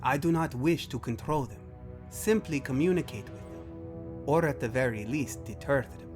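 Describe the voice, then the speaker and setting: A man voicing an earnest, idealistic ancient alien nobleman in a sci-fi audio drama, formal and deliberate, with music behind. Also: mid-range voice, darkish tone, pitched above the performer's own voice, lightly acted. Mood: earnest, resolute.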